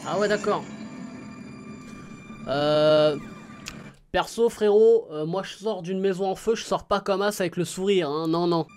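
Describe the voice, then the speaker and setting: A man with a notably high voice talks through a music video in loose, rambling reaction commentary. He is slangy and chatty, calling his viewers bro, with faint music playing beneath him. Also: unhurried, long pauses, darkish tone.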